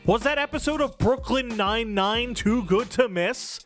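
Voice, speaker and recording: A man's voice: very high-pitched, moderate pace, a bit bright. A man giving a casual, scripted game review in an irreverent, informal, sweary way. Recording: music behind the voice. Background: background music.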